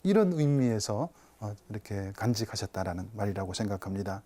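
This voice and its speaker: A man's voice: on the low side, animated, fairly quick, dark tone. A man, a Catholic priest, giving a televised spiritual talk, telling a story and asking his listeners rhetorical questions.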